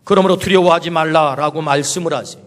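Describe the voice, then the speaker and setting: A man's voice: fairly high pitch, fast talker. A male pastor preaching a sermon, asking many rhetorical questions and quoting Jesus in a personal, spoken manner. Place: church sanctuary. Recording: reverberant church hall.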